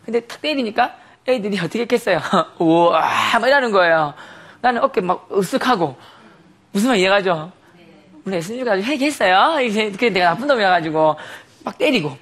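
A man's voice: high-pitched, animated, brisk, a bit bright. A man giving a sermon testimony, telling a story animatedly with frequent laughter and rhetorical questions.

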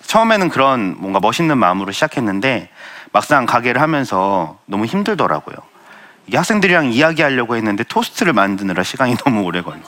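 Earnest young man giving a bright testimony. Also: medium pitch, very animated, quick pace. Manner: earnest, self-deprecating storytelling with light laughs. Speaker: Christian speaker sharing testimony. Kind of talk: testimony talk with audience Q and A.

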